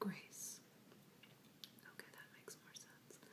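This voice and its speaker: Soft-spoken woman, somewhat breathy, relaxed in tone. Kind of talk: casual talk to camera. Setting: close-mic ASMR recording with water sounds. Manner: soft-spoken, slow, relaxed.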